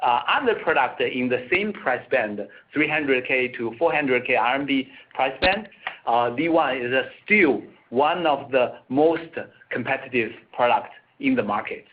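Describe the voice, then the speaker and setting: A man, a native Chinese speaker, answering as a company executive on an earnings call, halting and repeating words. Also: medium pitch, animated. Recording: tinny narrowband phone line.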